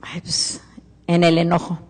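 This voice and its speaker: An older woman with a Mexican Spanish accent asks a question from the audience at a live workshop. She speaks haltingly, repeats her words and lifts her voice when she quotes her family. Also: lowish voice, monotone, a little mellow. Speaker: audience member asking a question. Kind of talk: emotional personal testimony. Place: large hall at a live workshop. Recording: live stream, long hall reverb.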